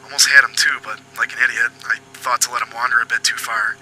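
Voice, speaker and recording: A man playing a foul-mouthed but apologetic police agent in an audio drama, questioning politely and haltingly. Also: mid-range voice, steady tone, bright, forceful tone, faint music behind, rough recording. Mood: probing, determined. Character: foul-mouthed, apologetic male detective agent hunting a killer.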